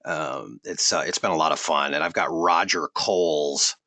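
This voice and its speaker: A man's voice: very deep voice, moderate pace, bright, forceful tone, dry recording. A man hosting a live webinar Q&A as a voiceover coach, friendly and upbeat.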